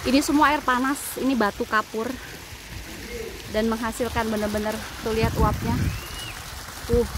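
A woman in her thirties excitedly vlogging at outdoor hot springs, talking to viewers through a phone camera. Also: a little high, moderate pace. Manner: excited, exclaiming, addresses viewers as guys. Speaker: travel vlogger. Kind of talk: casual travel vlog. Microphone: phone camera held at arm's length. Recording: outdoor phone audio with loud background noise.

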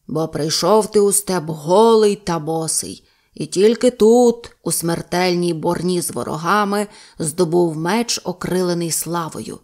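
A woman voicing a wise, calm old male Cossack mystic, speaking slowly and solemnly. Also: lowish voice, lightly acted.

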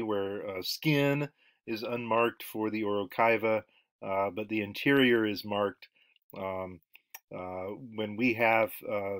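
A man's voice: fairly low pitch, no room sound. A middle-aged man giving a recorded anthropology lecture over slides from home, talking in a rambling way with many ums and uhs. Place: home room, indoors.

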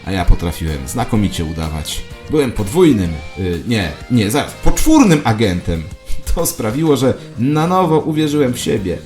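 A man's voice: mid-range voice, big pitch swings, normal speed, darkish tone, natural voice. A man playing a paranoid, self-important conspiracy believer, telling his saga in a dramatic, confiding way as satirical audio drama narration. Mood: excited, smug. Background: music.

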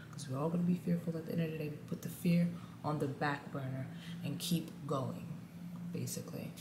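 A woman in her thirties speaks straight to the camera in a deep contralto voice. She talks candidly and with lots of animation, the way you chat with followers. The small room adds a noticeable echo and a faint hum underneath. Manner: candid, animated, says guys a lot. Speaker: vlogger. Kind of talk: casual motivational talk to camera. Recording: echoey room, faint ambient noise.

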